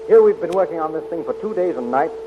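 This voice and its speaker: Guy as earnest young space hero, talks fast, slightly high, old muffled radio show. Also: animated, natural voice. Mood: earnest, good-natured. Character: game, good-natured young male adventure hero. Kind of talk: 1930s radio serial acting. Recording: muffled, noisy 1930s radio recording.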